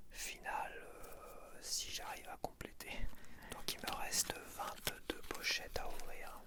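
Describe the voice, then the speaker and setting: In an ASMR video, a man whispers softly and unvoiced the whole way through, chatting and slowly counting aloud while he sorts stickers. He records at a home setup with softbox lighting.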